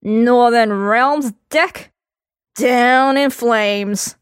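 Woman putting on a rowdy drunk witcher, young man, loud, slurring, crude; dry close read. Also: medium pitch, slow pace, dry recording. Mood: drunk jeering.

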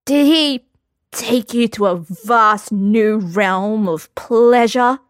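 Woman putting on a rowdy drunk witcher, young man, loud, slurring, crude; dry close read. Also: mid-range voice, slow pace, no echo. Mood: drunk jeering.

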